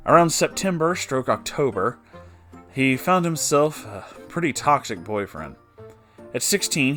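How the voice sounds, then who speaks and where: A man's voice: medium pitch, a bit bright. A man narrator reading a written personal story aloud, with brief asides of his own. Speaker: narrator reading online stories.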